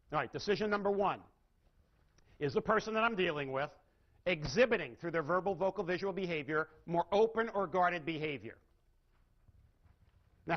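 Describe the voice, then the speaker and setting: High, lively-voiced man giving a seminar. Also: lo-fi sound. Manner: asks the audience rhetorical questions and demonstrates inflection. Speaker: seminar speaker. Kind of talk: live seminar talk to an audience.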